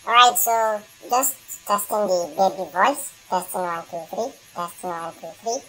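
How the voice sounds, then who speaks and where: Man as a high, filtered baby voice. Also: measured pace, pushed and bright, a little hiss or hum, low-quality recording. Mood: neutral testing. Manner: plain test-phrase delivery. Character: small baby, made with a voice changer. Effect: pitch-raising voice changer filter.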